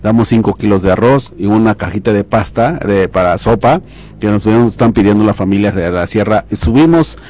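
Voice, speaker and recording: Low, dark-voiced man, halting speech. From Oaxaca, Mexico. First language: Triqui. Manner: halting, many restarts and fillers. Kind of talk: casual interview talk. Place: radio studio booth.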